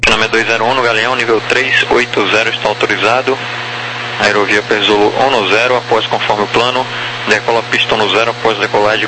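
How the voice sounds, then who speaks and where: Flat-toned Brazilian male air traffic controller on radio. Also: lowish voice. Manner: clipped, procedural. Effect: aviation radio transmission. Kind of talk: air traffic radio phraseology, reading clearances.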